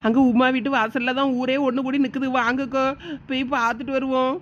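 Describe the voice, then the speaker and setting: A woman voicing a frightened tearful young daughter-in-law, breathless pleading, high pitch, dull lo-fi sound. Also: level tone, fairly quick, slight background noise, lightly acted.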